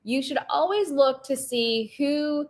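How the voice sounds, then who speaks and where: A woman film director with a light, higher-pitched voice, speaking earnestly and reflectively as an interview guest. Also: takes it slowly, a little mellow. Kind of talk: conversational interview.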